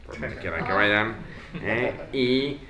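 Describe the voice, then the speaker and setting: A man moderating a discussion in an informal, halting, hesitant way. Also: fairly low pitch, expressive, crowd noise. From not from Mexico. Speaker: host, moderator. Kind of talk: informal closing remarks to an audience. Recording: echoey room with audience noise.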